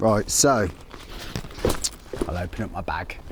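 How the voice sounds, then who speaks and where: The speaker has a strong British accent and lively intonation but talks at a very slow pace. Noticeable background noise is present. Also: man. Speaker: product reviewer and actor. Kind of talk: casual product review. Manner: deliberately slow.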